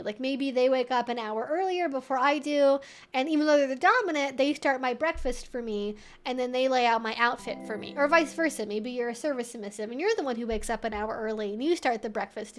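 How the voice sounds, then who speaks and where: High-voiced woman giving chatty advice. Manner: chatty and informal, rambling with frequent asides. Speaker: livestream host and relationship educator answering viewer questions. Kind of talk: casual, conversational Q&A advice.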